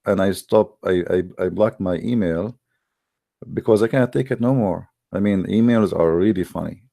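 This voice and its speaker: Deep-voiced, gravelly Arab-accented man hosting. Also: moderate pace, warm tone. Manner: joking, sarcastic, teasing. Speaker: host of a live debate broadcast. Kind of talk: casual rambling live-stream talk.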